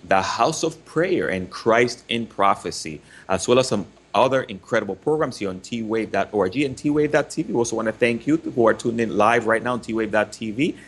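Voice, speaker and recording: Husky-voiced Christian radio host, a man. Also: on the low side, lively intonation, fairly quick, few pauses. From Dominican Republic. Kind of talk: Christian radio talk show hosting.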